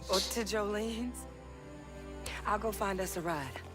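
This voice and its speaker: An actress playing a loving, protective mother in a video game, warm and coaxing with a worried edge. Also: medium pitch, unhurried, music in the background, lightly acted. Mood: tender.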